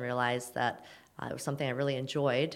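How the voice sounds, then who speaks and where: In a Mid-Atlantic accent, a woman speaks with a very deep, low pitch and monotone, flat intonation. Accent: American, Mid-Atlantic. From Baltimore, Maryland, US. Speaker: fitness studio founder. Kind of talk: podcast interview.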